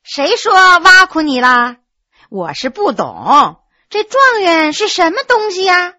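A woman voicing a lively, sharp-tongued young butcher's daughter who mocks a new scholar. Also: very high voice, takes it slowly, pitched above the performer's own voice, exaggerated voice. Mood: mocking. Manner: teasing, mocking.

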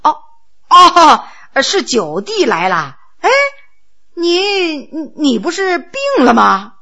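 A woman's voice: high-pitched, big pitch swings, takes it slowly, bright, forceful tone, exaggerated voice. A woman storyteller voicing a Qing prince, a grown man who gives harsh orders and then stammers in confusion. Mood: flustered. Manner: commanding, then flustered and stammering. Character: Qing prince, middle-aged man, stern official turned bewildered.

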